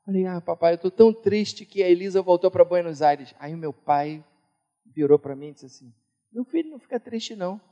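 A man from Brazil preaching a sermon, emphatic, swinging between loud and hushed. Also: sits high, level tone, normal speed, dull audio. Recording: reverberant hall.

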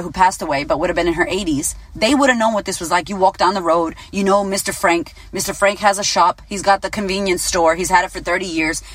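Late-30s woman coach, blunt and swear-heavy, mid-pitched, dry close recording. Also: dry recording. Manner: blunt, swears freely, animated. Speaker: business coach and podcast host. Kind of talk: casual motivational monologue.

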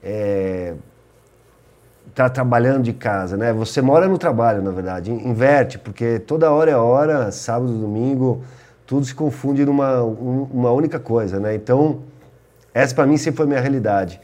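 A man with a São Paulo Brazilian Portuguese accent, calmly explaining in measured phrases as a guest in a casual chat. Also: mid-range voice. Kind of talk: casual conversation.

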